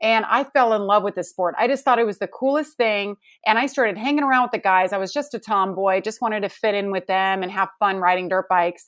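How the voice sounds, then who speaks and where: A woman speaks very fast with an American accent, ordinary pitch variation and hardly any pauses. The recording is very clean, with a silent background. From US West (Lake Tahoe, California; teens in Las Vegas). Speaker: motorsports TV reporter. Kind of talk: interview conversation.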